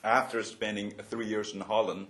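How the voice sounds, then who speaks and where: A man's voice: lowish voice, little pitch movement, a bit bright. A man in his seventies from Hong Kong, sharing childhood memories at a roundtable, with many fillers and restarts and frequent chuckles. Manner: halting, many fillers and restarts, laughs often. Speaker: roundtable speaker. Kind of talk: personal reminiscence at a panel.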